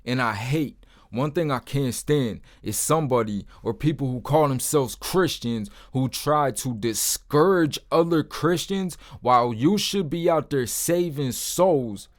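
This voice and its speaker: A man with a deep voice, hosting his own Christian channel, speaks to the camera in a blunt, informal way and often drops in "man.". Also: measured pace. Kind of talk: casual testimony to camera.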